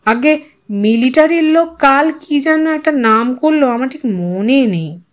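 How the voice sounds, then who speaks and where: Woman voicing a halting, humble village father. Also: high-pitched, lively intonation. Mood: subdued, unsure. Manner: halting, faltering, unsure. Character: poor hesitant grieving village father, middle-aged man. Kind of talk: audio story dialogue.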